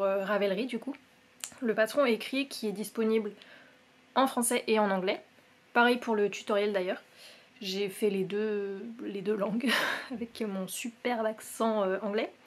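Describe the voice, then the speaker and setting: A young woman with a French accent, chatting casually about her knitting, with many fillers and soft little asides. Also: medium pitch. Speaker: knitting vlogger. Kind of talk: casual chat.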